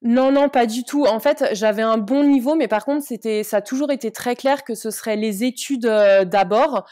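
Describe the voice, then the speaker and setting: Friendly woman, halting with fillers. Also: a little high, darkish tone, no room sound, studio quality. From Paris region, France. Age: 30s. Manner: friendly, hesitant with many fillers. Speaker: guest, sports coach. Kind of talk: casual interview talk.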